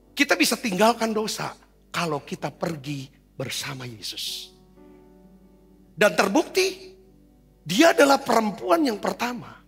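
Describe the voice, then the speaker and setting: Husky, gravelly high-voiced male preacher. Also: a bit bright, big-room sound. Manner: exhorting, repeatedly asks for amens; conversational, with fillers and rhetorical questions. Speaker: pastor. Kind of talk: sermon.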